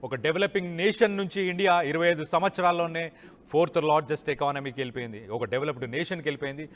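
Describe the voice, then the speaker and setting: A male news presenter with a Telugu accent speaks in a notably high voice. His commentary is emphatic, driving points home through repetition. The sound carries a long, hall-like reverb. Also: quick pace. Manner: emphatic, repeats phrases for stress. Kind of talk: live news commentary, explaining and opining.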